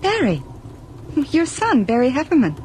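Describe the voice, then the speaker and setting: A woman's voice: high-pitched, huge pitch swings, a little mellow, slight background noise. An actress playing a wary, vulnerable young woman stranded overnight in a radio drama, speaking hesitantly. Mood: anxious, insistent. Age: young adult. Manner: hesitant, halting.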